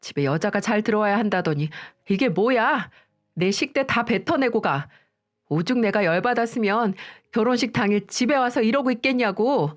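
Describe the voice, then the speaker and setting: A woman reading as a yelling young bride. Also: a little high, expressive, normal speed, voice pushed up, natural voice. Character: enraged young sister-in-law, newly married bride.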